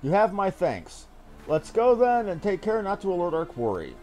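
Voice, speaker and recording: A man's voice: high-pitched, huge pitch swings, normal speed, a little mellow, faint music behind. A man reading game dialogue aloud as a stern military captain, with grave, formal, old-fashioned phrasing. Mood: stern, intent. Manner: grave, formal, archaic diction. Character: earnest military captain briefing an ally on a spy hunt.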